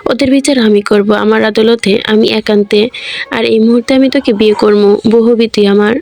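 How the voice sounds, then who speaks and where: A woman's voice: fairly high pitch, fairly even intonation, moderate pace, vocal fry, a little mellow, no room sound. A woman reading the lines of a fierce, protective young man in love, speaking urgently and commandingly. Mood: resolute.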